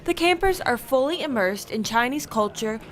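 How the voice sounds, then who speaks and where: A woman student reporter reading a scripted news story at a measured pace. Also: on the high side, animated, fairly bright tone. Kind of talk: news package narration.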